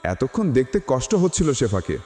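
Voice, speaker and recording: A man narrating a romantic story in the first person, expressive and animated. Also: mid-range voice, normal speed. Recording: reverberant with music behind.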